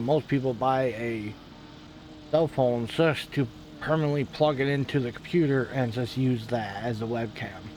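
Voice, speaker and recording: Quietly mumbling, a man speaks at medium pitch and a moderate pace with fairly even intonation. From New York, US (Irish-American). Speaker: gaming streamer. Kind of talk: casual gameplay commentary. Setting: home recording at night. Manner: mumbling, quiet. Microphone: quiet microphone.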